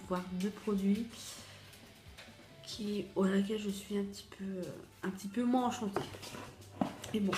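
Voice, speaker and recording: A woman's voice: medium pitch, a little mellow. A French-accented woman chatting casually through a beauty box unboxing, hesitant and full of fillers. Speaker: beauty vlogger. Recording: echoey room with faint music.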